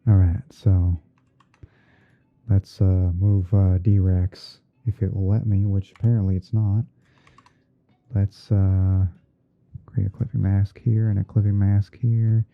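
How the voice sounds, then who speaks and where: A man playing a gentle, easygoing TV painting instructor in a halting, murmured ASMR livestream roleplay. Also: low-pitched, little pitch movement, creaky, phone-quality sound, heavily acted. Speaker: livestream host. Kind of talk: ASMR roleplay livestream while editing images.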